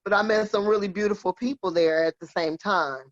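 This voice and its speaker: Woman in her forties, from milwaukee, frank and salty, laughs while telling stories, mid pitch, dull dry recording. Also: fairly quick, no echo. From Milwaukee, Wisconsin. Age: 40s. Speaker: podcast guest. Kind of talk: casual chat, personal storytelling.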